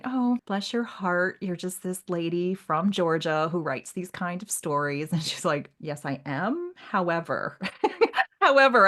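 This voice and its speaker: A woman's voice: fairly low pitch, a bit bright. A woman co-hosting a podcast, talking casually about literature in a rambling way with acted-out asides. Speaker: podcast co-host.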